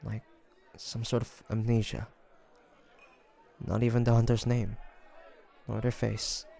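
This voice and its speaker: A man playing a guarded young demon hunter in an intimate audio roleplay, hesitant and confiding, with a softer side showing through. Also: mid-range voice, monotone, takes it slowly, creaky, a faint crowd. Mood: wistful, confiding.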